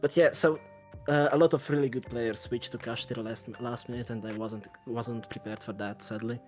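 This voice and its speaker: A man from Slovakia whose first language is Hungarian, answering interview questions in a soft, hesitant way with frequent restarts. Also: medium pitch, steady tone, brisk, over music. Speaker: guest, tournament champion. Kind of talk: interview over a call.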